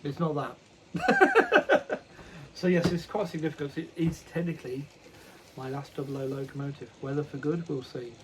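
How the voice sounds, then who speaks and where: A man's voice: a little high, steady tone, fairly quick, very noisy. A man casually vlogging about his model railway hobby, rambling and correcting himself with many ums. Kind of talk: casual unboxing chat.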